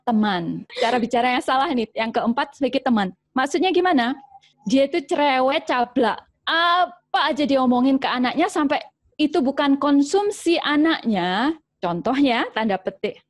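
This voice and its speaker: High-pitched woman giving parenting advice. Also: moderate pace. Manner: lively, acts out mother and child voices, mixes in English phrases. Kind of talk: parenting talk.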